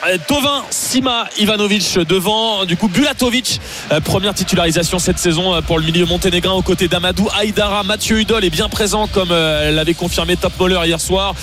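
High-voiced man reporting live on football. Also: brisk, over music. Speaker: match correspondent.

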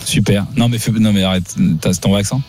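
A man hosting a sports radio show, joking and teasing guests in lively banter. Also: fairly low pitch, brisk, faint music behind. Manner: playful, teasing, animated. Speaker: radio host.

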